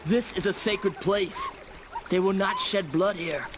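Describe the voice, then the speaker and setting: A man's voice: high voice, measured pace, background noise. An actor playing a proud, scornful Native American shaman in a western video game, with formal, solemn phrasing. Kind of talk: dramatic video game acting. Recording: music behind the voice. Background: music.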